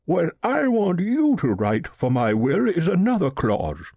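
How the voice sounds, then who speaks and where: A man voicing a pompous, pious old millionaire with a solemn, slow drawl in an audiobook story. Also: a little high, wildly swooping pitch, dark tone, no room sound, studio quality, pitched above the performer's own voice, heavily acted. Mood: solemn, determined. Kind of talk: audiobook character voice.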